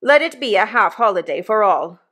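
A woman's voice: medium pitch, expressive, normal speed, a bit bright. A woman voicing a mild, plain-spoken male master blacksmith, simple and placating but firm, in a storybook reading. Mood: calm, firm.

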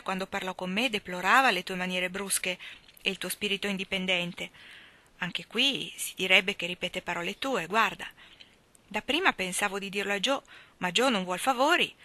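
A woman voicing a patient, gentle mother who speaks calmly and softly in a storybook reading. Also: medium pitch, close to an everyday voice. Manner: calm, soft-spoken.

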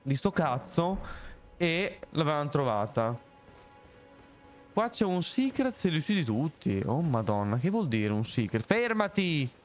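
A young man streaming a game live, reacting loudly and hurling playful insults at enemies. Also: on the high side, moderate pace. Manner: excitable, swears and yells insults at enemies. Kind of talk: live gameplay commentary. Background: game music.

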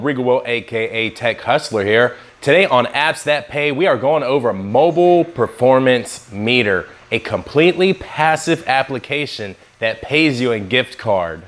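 A young man hosting an app review vlog, talking with energetic, salesy hype and catchphrases on a lapel mic. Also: medium pitch. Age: young adult. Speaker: host.

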